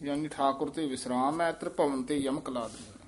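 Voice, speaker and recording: A man teaching scripture recitation, slowly modelling each phrase and marking where to pause. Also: medium pitch. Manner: slow, careful, models phrases and marks pauses. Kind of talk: recitation lesson with corrections.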